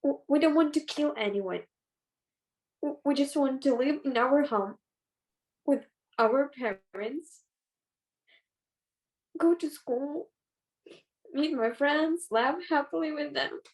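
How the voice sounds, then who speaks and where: A twelve-year-old girl with a Ukrainian accent, giving halting, earnest personal testimony over a video call. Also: sits high, poor audio. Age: child, twelve. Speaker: young participant in a play reading.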